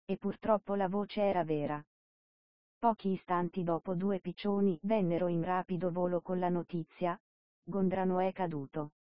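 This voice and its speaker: A woman narrating a novel in a measured, steady storytelling manner. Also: on the low side, dry recording. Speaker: audiobook narrator. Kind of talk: scripted narration. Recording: dull dry lo-fi recording.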